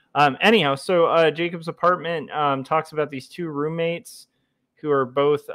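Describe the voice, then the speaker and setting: The background is quiet. A man talks with fairly even intonation. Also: moderate pace. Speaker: comic artist streamer. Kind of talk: casual livestream chat. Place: home room. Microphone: webcam.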